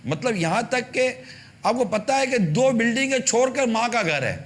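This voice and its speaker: A male preacher gives a televised sermon with a high voice. He presses his points with rhetorical questions and repeated pleas. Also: lively intonation. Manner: emphatic, rhetorical questions, repetition. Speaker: religious preacher on TV channel. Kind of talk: television sermon addressing parents.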